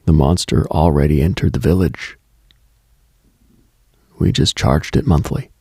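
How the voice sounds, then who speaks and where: A man hosting a late-night mystical radio show, delivering a scripted monologue in a hushed, contemplative, brooding manner. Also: a bass voice, animated, a little slow, slightly rough, no echo, clean studio sound.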